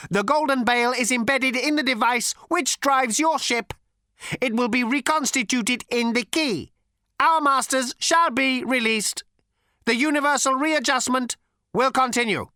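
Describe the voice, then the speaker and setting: A man voicing an ancient, cold and lifeless robot with a cultured rasp, speaking flatly and patiently. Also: very high voice, measured pace, dry recording, clean studio sound, voice pushed up, heavily acted. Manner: flat, patient, menacing.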